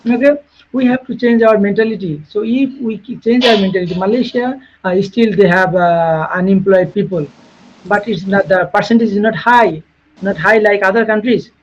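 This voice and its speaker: Researcher from Bangladesh, male, high-pitched, earnest and repetitive, dull webinar audio. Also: normal speed, slight background noise. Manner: earnest, repetitive phrasing with frequent "okay" and "you know". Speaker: guest speaker, researcher. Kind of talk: webinar Q&A answers. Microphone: video call.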